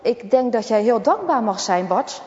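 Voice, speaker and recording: A woman voicing a kind, gentle hospital nurse who talks soothingly to a patient. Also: a little high, expressive, normal speed, lightly acted. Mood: reassuring. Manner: soothing, reassuring. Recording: dull, echoey recording.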